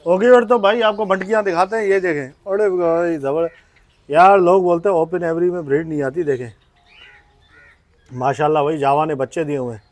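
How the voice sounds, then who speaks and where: Pakistani urdu accent guy vlogging outdoors, kinda high voice, super hyped about the birds, camera mic, chirping all around. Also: fairly quick, dry recording. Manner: excited, exclaiming often. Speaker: vlogger touring a bird aviary. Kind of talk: casual walk-through vlog. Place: outdoor open aviary at dusk.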